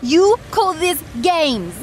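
A woman's voice: very high-pitched, big pitch swings, slow, a little mellow, slight background noise, full character voice. A woman voicing a feisty, stern pirate captain who gives commands and snaps back sharply. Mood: commanding. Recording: music bed under voice.

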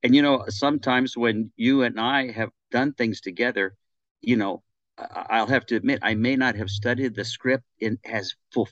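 A man's voice: medium pitch, normal speed, fairly bright tone, dry recording, lo-fi sound. A man, an actor being interviewed, joking along in a goofy, rambling way. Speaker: actor, podcast guest.

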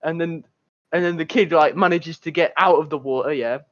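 A man's voice: fairly high pitch, fairly quick, no echo, dull audio. A man chatting casually as a podcast co-host, telling stories in a hesitant, rambling way with asides. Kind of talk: casual chat and storytelling.

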